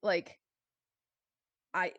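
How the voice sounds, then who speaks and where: A woman's voice: drawn-out words, fairly bright tone, no echo, muffled recording. A woman co-hosting a podcast in casual chat, thinking aloud in a hesitant, reflective way. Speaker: podcast co-host. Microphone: headset.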